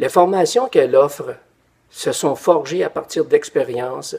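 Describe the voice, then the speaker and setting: A man is speaking. His pace is very slow. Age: 60s. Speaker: testimonial giver. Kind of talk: testimony, reading aloud. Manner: reading from a written text.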